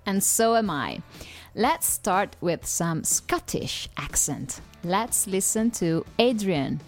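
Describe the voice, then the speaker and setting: A woman's voice: mid-range voice, sing-song, slow pace, soft background music. A woman hosting an English-learning podcast, talking in an upbeat, teacherly way. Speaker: podcast host.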